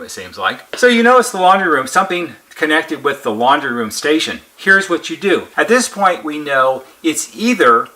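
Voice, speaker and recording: A man's voice: on the high side, low-quality recording. A man presenting as a repair technician, methodically explaining a hands-on procedure step by step and plainly repeating his points. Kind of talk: step-by-step instructional demonstration.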